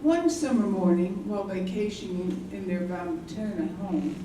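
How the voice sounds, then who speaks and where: A woman's voice: mid-range voice, normal speed, close to an everyday voice. A woman reading as an ensemble narrator in a scripted staged play reading. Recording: very echoey stage, distant mic, noise.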